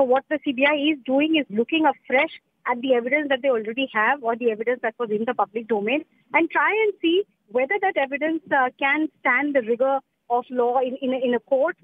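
An Indian-accented woman correspondent gives an unscripted live report in a high voice. She explains emphatically, repeating phrases, over a dry, band-limited phone line. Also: slightly rough, no room sound. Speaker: news correspondent. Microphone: telephone. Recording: muffled narrow phone line.

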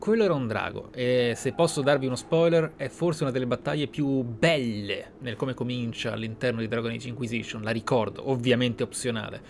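A man narrating a video game playthrough in a measured, deliberate, theatrical way. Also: medium pitch, creaky, a little hiss or hum. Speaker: gaming channel host. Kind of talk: Let's Play roleplay narration and commentary. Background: video game ambience.

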